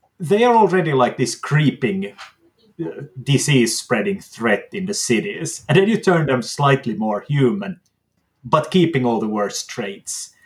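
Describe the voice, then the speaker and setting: A man with a Finnish accent talks at a fairly slow pace. His pitch swings very widely. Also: fairly high pitch for a man. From Finland. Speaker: podcast host. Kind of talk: casual interview chat.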